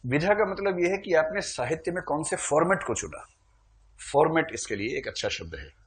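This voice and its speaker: A man's voice: on the high side, big pitch swings, moderate pace, a little hiss or hum. A male teacher delivers a classroom lecture in an easy, conversational manner. He slips in humorous asides and keeps checking in with his listeners as he explains.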